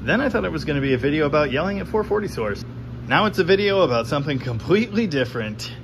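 A man walks viewers through building an engine, talking quickly and wryly, his voice rising and falling as he gestures at parts. The camera microphone picks up a steady hum filling his noisy, cluttered garage workshop.

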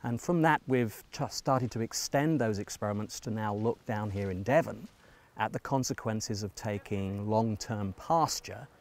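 A man, a soil scientist, explaining his work fluently and in a measured way. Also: fairly low pitch, a little mellow, a little hiss or hum. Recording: faint music underneath.

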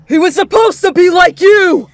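A woman's voice: very high voice, normal speed, no echo, voice pushed up. A woman voicing an anguished, enraged father in a story, wailing and accusing as the voice breaks. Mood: furious, anguished. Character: anguished, enraged father turning on his family.

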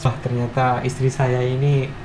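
A man's voice: medium pitch, monotone, moderate pace. A young man hosting a casual vlog chat and asking questions. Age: young adult. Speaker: vlog host. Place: small home kitchen, indoors. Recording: echoey kitchen, noticeable background noise.

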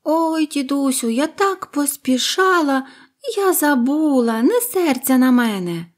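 A woman doing chirpy little spring birds. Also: unhurried. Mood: excited, apologetic. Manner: high, excited, apologetic.

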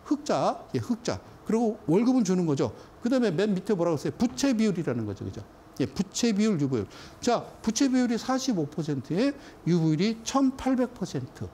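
Man, stock chart lecturer, emphatic, animated delivery, faint background hiss. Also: high-pitched, fairly quick. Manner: emphatic, keeps checking in with the audience. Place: studio.

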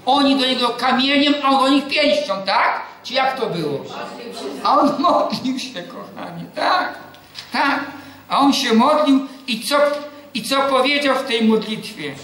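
A man's voice: extremely high pitch, measured pace. A man preaching a sermon, quizzing the congregation with questions he answers himself and telling personal stories. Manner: tells personal stories with lively quoted dialogue. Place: church hall. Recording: very echoey hall.

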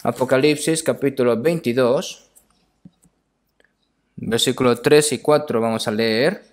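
A man delivering a sermon with scripture readings, speaking haltingly, repeating phrases and often adding short questioning tags. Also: medium pitch.

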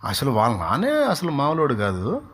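A man's voice: huge pitch swings, normal speed, a bit bright. A man preaching a sermon, acting out the voices of scoffers and building to emphatic rhetorical questions. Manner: acts out crowd voices in shifting pitch and volume. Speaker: pastor.

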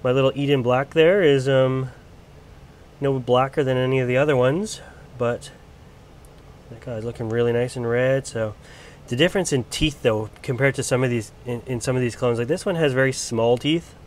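A man's voice: mid-range voice, normal speed, slight background noise. Male grower, recovering from a cold, chatty and unpolished, off-camera handheld vlog voice. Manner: chatty, loose, lots of ums and restarts. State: getting over a cold. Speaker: plant grower showing his collection. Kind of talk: casual filmed walk-through. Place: indoor grow area under bright lights.

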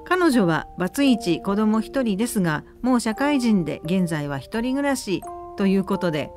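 A woman presents on the radio, reading a listener's letter in a conversational style. Her voice sits at a middling pitch for a woman, with faint music underneath. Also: sing-song, moderate pace, a little mellow. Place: radio studio.

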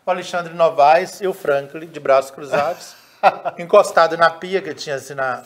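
A man telling stories in a casual, lively way, often laughing and acting out the dialogue. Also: on the high side, moderate pace. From Minas Gerais, Brazil. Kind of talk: casual anecdotal storytelling.

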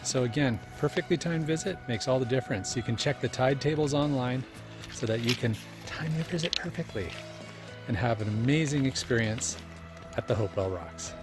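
A man's voice: medium pitch, moderate pace, music in the background. A man in his forties hosting a geocaching travel vlog, talking in an upbeat, playful tour-guide way. He films himself outdoors with a camera held at arm's length. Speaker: geocaching vlogger host. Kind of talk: travel vlog with voice-over narration. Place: outdoors at seaside and trails. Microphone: handheld camera at arm's length.

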